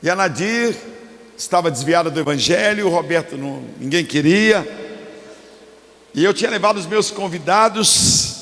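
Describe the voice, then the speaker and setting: An older man from Brazil with a Minas Gerais accent, a pastor telling a story in a sermon, animated and acting out voices. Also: high voice. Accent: Minas Gerais Portuguese. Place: large church hall. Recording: long hall reverb.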